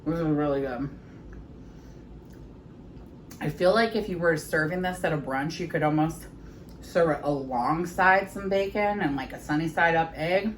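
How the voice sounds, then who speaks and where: A woman in her thirties chatting casually in her home kitchen as she tastes her food, often pausing to savor it with soft hums. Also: low voice, slight background noise, poor audio. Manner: chatty, savoring bites with frequent mm sounds. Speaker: home cooking vlogger. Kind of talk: casual chat while tasting food.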